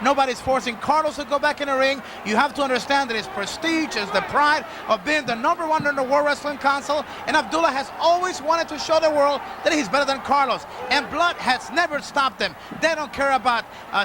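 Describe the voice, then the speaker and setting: A man with a very high-pitched voice calls wrestling as a lucha libre announcer, stretching phrases for dramatic emphasis. The broadcast is noisy, with an arena crowd behind him. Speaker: wrestling commentator and show host. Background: loud wrestling crowd.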